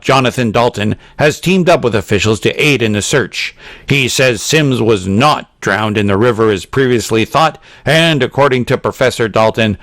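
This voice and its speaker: An actor playing a serious, formal male local news anchor with measured announcing. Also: medium pitch, a bit bright, dry recording, close to an everyday voice. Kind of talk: dramatized news report.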